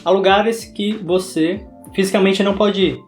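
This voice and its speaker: A man's voice: high-pitched, fairly even intonation, moderate pace, soft background music. A young man from the interior of Bahia with a sertanejo accent, narrating a scripted book video essay with dramatic, theatrical delivery. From interior of Bahia, Brazil. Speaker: book vlogger.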